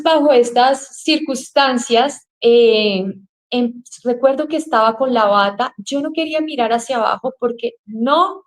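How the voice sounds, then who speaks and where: A woman with a Colombian accent giving an earnest personal testimony, speaking haltingly with frequent restarts. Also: a little high.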